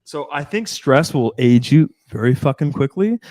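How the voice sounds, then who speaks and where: A man's voice: on the high side, lively intonation, moderate pace, darkish tone, no echo. Rambling, profane man in his thirties. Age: 30s. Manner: rambling, profane, restarts often. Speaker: dating coach. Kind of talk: casual podcast chat.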